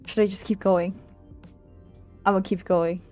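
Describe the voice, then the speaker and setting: Woman VTuber, mid pitch, expressive livestream read-aloud of a visual novel, giggly asides, game music underneath. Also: normal speed. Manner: giggly, expressive, stumbles while reading aloud. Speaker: streamer, VTuber.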